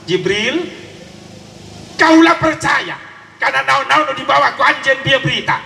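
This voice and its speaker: A man's voice: extremely high pitch, unhurried, gravelly, bright, forceful tone, a little hiss or hum, voice pushed up, exaggerated voice. A man voicing a tender, grieving male prophet in a sermon story, in a pleading, tearful way. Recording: echoey hall with long reverb.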